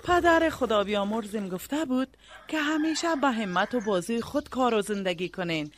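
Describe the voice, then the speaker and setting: A determined, hospitable village nurse played by a woman with an Afghan accent and a high voice. She speaks earnestly and politely in radio drama style, with faint noise behind her. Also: expressive, close to an everyday voice.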